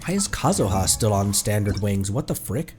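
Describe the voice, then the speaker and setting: Guy streaming a game, playful n animated, pitch jumps around a lot, bit of music in back. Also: normal speed. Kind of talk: live game commentary, reading in-game text aloud.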